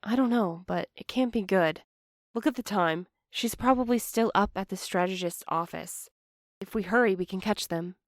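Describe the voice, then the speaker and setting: A woman acting an anxious, earnest young woman in an audio drama, speaking in an expressive, conversational way. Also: mid-range voice, normal speed, dry recording, studio quality, close to an everyday voice. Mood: sly, hurried. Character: Clementine, anxious, earnest young woman snooping on her date.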